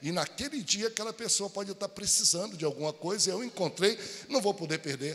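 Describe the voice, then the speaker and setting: Against noticeable background noise, a man talks with lively intonation. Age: 60s. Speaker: pastor. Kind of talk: sermon. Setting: church. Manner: informal, conversational.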